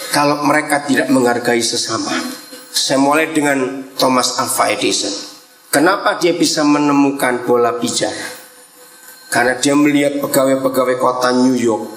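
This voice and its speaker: A man preaching a lively youth sermon in a church hall, teasing and quizzing the congregation as he goes. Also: on the high side.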